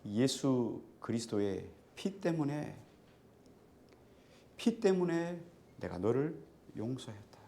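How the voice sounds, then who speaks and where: Stern rebuking God, mid-pitched male voice with slow, loud emphasis, put on by a preaching pastor. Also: animated, a little hiss or hum, natural voice.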